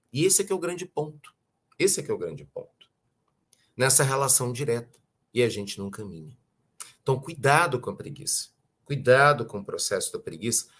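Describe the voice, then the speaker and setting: A man with a Brazilian accent giving a conversational spiritual talk, often asking rhetorical questions and clearing his throat. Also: mid-range voice. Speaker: spiritual teacher.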